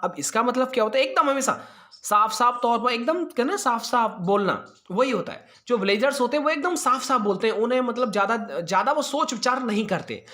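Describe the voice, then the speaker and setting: A man teaching English idioms to exam students, reading each English line slowly in an Indian accent and then explaining it in Hindi. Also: very high-pitched, pushed and bright. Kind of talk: exam prep lesson.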